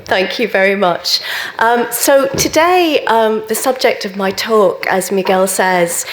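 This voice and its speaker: Woman giving a measured lecture. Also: mid-range voice. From Northern Ireland. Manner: measured, with frequent ums and repeated "very, very". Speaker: gallery director giving a lecture. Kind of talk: public lecture.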